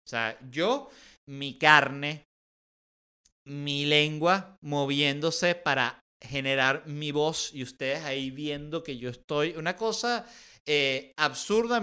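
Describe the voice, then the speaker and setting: A man's voice: mid-range voice, bright, forceful tone, clear, resonant tone. A man with a Venezuelan accent hosting a podcast, talking in a casual, sarcastic comedic monologue and swearing freely. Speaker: podcast host.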